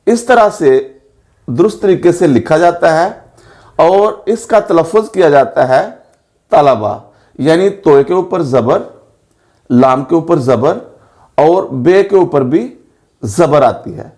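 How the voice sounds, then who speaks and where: Male language teacher, slightly high voice, slow and deliberate delivery, spells words out mark by mark. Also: a little mellow. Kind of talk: pronunciation lesson.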